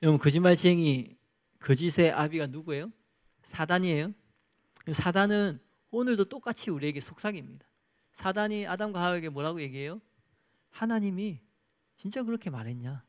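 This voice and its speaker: A man's voice: on the high side, brisk. A male pastor preaching a sermon and leading a closing prayer in an earnest, exhorting manner.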